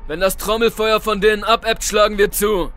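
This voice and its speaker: Man acting a high-pitched, commanding army colonel. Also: steady tone, a little fast, a bit bright, faint music behind. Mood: stern, fatalistic. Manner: commanding, curt. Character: gruff, fatalistic German army colonel in wartime trenches. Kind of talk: audio drama acting.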